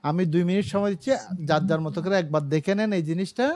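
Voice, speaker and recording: Man, English teacher, online class, slightly high voice, patient, repeats examples. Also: rapid-fire, a little mellow. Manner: patient, explains with everyday examples and repeats key words. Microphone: video call.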